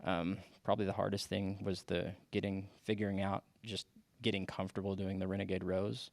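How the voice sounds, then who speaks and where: Gravelly man in his forties, halting. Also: low voice, little pitch movement, dry recording. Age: 40s. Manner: halting, many restarts and fillers. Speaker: podcast guest. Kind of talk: casual interview chat.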